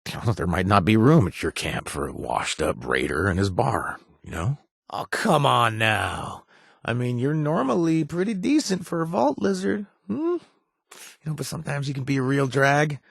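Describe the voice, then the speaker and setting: An actor playing a gruff, washed-up ex-raider who now runs a bar, sardonic and joking one moment, earnest and grateful the next, in video game voice lines. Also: male voice, medium pitch, sing-song, moderate pace, no echo, studio quality, full character voice. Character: gruff washed-up male ex-raider bartender, wry. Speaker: game companion character.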